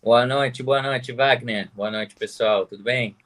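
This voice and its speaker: A man's voice: medium pitch, fairly even intonation, a little slow, a bit bright. A man from Italy with an Italian accent, speaking a second language casually as an interview guest. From Pisa, Tuscany, Italy. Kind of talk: casual introduction in an online interview.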